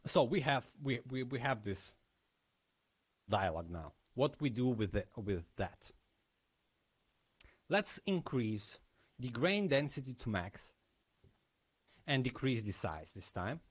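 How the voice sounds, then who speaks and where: A man speaking at a conference, talking through a technical lesson. He explains live demos in a slow, unhurried way. His pitch moves around a lot as he talks. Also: sing-song, husky. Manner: explanatory, with demo commentary.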